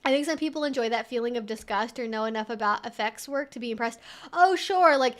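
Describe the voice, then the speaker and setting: A woman with a high-pitched voice hosts a casual livestream. She talks in a conversational, emphatic way, thinking aloud as she responds to viewer comments. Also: fast talker. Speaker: livestream host.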